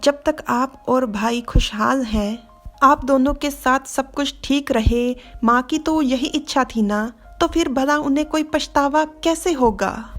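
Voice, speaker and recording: A woman voicing a gentle, devoted young man who speaks softly and comfortingly. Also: sits high, a little slow, faint music behind. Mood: tender. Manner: soft, comforting.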